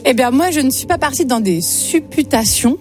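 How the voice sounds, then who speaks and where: A woman's voice: high voice, lively intonation, moderate pace, faint music behind. A woman co-hosting a radio show, speaking in a poised, slightly formal way. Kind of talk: casual chat.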